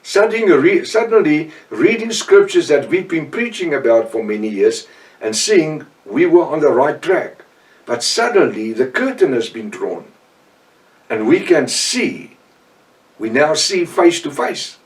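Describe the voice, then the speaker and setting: An older South African man with an Afrikaans accent, giving an informal, earnest Bible teaching with frequent pauses and restarts. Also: on the high side, very animated, far from the mic, low-quality recording. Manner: earnest, halting, with many restarts. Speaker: professor and preacher.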